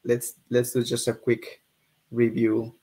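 A man's voice: mid-range voice, completely flat delivery, slow, dark tone, husky. A young man from Peru hosting a casual interview over a video call, talking in a friendly, conversational way. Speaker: interview host.

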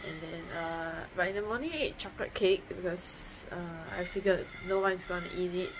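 A woman's voice: fairly low pitch, moderate pace. A young woman chatting casually into a phone at home, matter-of-fact and rambling, with lots of fillers and restarts. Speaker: vlogger. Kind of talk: casual diet vlog to camera. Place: home, indoors. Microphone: phone held close at arm's length. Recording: noisy home phone recording.

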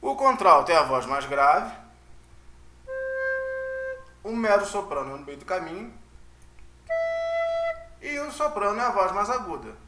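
A man's voice: high voice, very animated, measured pace, pauses often. A man giving a casual music lesson, chatty and often checking in with his listeners. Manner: chatty, with frequent tag questions. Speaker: music teacher. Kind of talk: casual online lecture. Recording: roomy echo.

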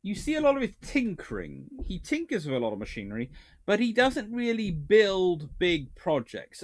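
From a small home study lined with bookshelves, a naval history host in his thirties runs a casual livestream with a slightly high voice. He reads out viewer comments and rambles animatedly through his answers, full of restarts and fillers.

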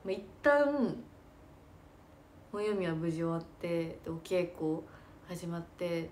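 A woman's voice: on the low side, fairly even intonation, takes it slowly, darkish tone, a little hiss or hum. A young woman chatting casually in a self-deprecating way, laughing often as she talks. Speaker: idol and stage actress. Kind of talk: casual chat.

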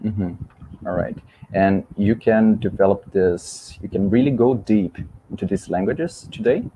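A young man with a Brazilian Portuguese accent hosting a live-stream interview on a video call, speaking slowly in simple words for learners. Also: fairly low pitch, dark tone, slight background noise, low-quality recording. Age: young adult. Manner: slow, simple wording for learners. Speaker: host, language mentor. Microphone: earphone headset on a video call.

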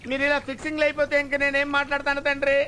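Whiny comic sidekick servant; high, bright, fast, pleading and wisecracking. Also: male voice, completely flat delivery, slight background noise. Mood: wheedling. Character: cringing comic male servant, whiny, scheming. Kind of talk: comedic Telugu film dialogue. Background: film score.

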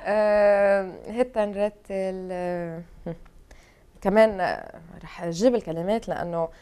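A woman with a Lebanese accent, a guest singer chatting on a television faith talk show in quick, eager bursts. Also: medium pitch, steady tone, dark tone, clean tone.

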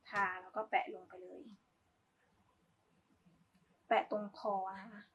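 A woman's voice: slow, dull audio. A woman giving a casual, polite step-by-step craft tutorial, talking as she demonstrates. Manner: informal, polite, talks while demonstrating.

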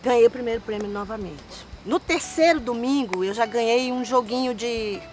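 A woman's voice: on the high side, moderate pace, slight background noise. A woman, telling stories of her singing career outdoors in a forest park. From Manaus, Brazil. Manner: animated, lively storyteller with hand gestures. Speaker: singer guest. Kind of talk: storytelling interview answers.

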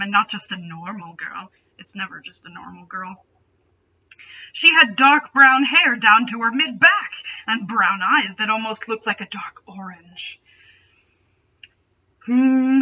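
In a small indoor bedroom, a young adult woman hosts a reading of fan fiction, delivering the story dramatically with sarcastic, mocking asides. Her fairly high voice has a sharp tone, though the audio sounds dull.

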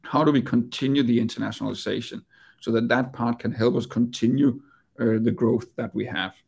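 A man's voice: medium pitch, steady tone, brisk, vocal fry, darkish tone, slightly rough. A man from Denmark with a Danish accent, presenting in an investor call over video, hesitant and repeating words. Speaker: company executive.

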